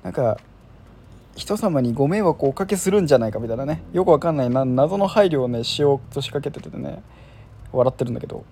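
A man chats alone on his show in a mellow, warm tone, rambling and poking fun at himself with plenty of fillers. His pitch swings up and down lively as he goes. A faint hiss sits under the home recording. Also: fast talker. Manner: rambling, self-deprecating, many fillers. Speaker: podcast host. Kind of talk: casual solo chat.

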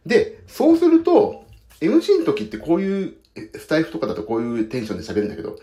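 This man's voice is a little high and dark-toned, moving fast with huge swings in pitch. As a pianist and audio podcaster, he chats casually about his work while soaking his feet, telling self-mocking stories against echoey bathroom acoustics.

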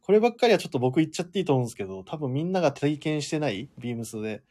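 A man hosting a live radio show alone, chatting in a relaxed way, laughing often as he reads listener comments. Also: fairly high pitch, racing, breathy edge.

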